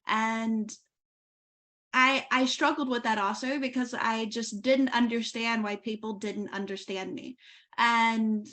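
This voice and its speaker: A woman's voice: on the high side, fairly even intonation, takes it slowly, bright, forceful tone. A woman from Oklahoma hosting an interview podcast, speaking earnestly about her own life, with frequent "like" and restarts. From USA, Oklahoma. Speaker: podcast host.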